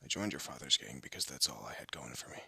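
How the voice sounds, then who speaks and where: A man voicing a hardened ex-gangster husband in an audio roleplay, talking in a low threatening whisper. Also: animated, quick pace, vocal fry, sharp tone, husky, exaggerated voice. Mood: somber. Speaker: voice actor.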